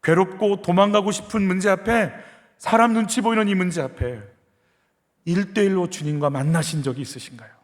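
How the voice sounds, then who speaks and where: A male senior pastor preaching a sermon, earnestly leading his congregation through rhetorical questions. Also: sits high. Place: church sanctuary. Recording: reverberant church hall.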